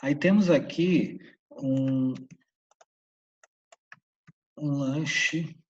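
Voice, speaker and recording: A man from Santa Catarina, Brazil, with a Brazilian Portuguese accent, teaching a casual English lesson and repeating the English words slowly, in a husky voice. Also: on the high side, slight background noise. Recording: dull, distant room mic.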